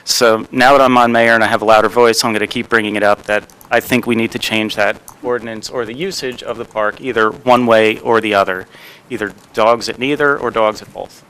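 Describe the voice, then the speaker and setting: Mayor guy at a council meeting, bright clear voice, lots of ums and uhs. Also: fairly low pitch, steady tone, low-quality recording. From New Jersey. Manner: rambling, halting with many fillers. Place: council chamber.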